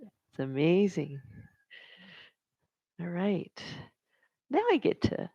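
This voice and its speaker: A woman at a church service reading a speaker's biography aloud, slow, adding small asides. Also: lowish voice, very animated, vocal fry, no echo. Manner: reads slowly with warm asides and laughter. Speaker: service moderator introducing the speaker. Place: church hall. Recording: dull, dry sound.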